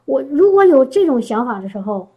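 High-voiced woman preaching a chatty sermon. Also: very animated, brisk, slightly rough, narrow, tinny audio. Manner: conversational, with restarts and rhetorical questions.

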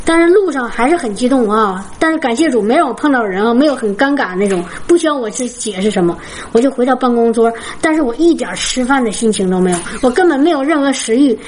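High-voiced woman giving fervent testimony. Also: slight background noise, poor audio. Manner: fervent, repetitive, halting restarts. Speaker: Christian testimony speaker. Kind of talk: emotional personal testimony to a congregation.

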